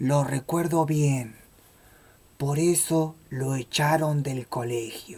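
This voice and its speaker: This is a put-on character voice, hoarse and in a low-to-middle pitch. It moves at a very slow pace. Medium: read story. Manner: slow, deliberate.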